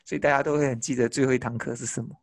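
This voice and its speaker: A man from Taiwan co-hosting a podcast, casually recalling high school days. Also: fairly even intonation, fairly quick. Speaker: podcast co-host. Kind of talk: casual chat lesson.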